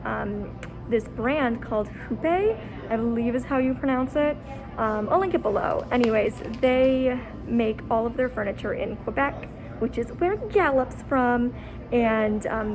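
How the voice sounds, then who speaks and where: A woman in her twenties, from Canada, chatting casually in a vlog, full of "like" and "um" fillers. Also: on the high side. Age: 20s. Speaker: vlogger. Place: at home, then a furniture store.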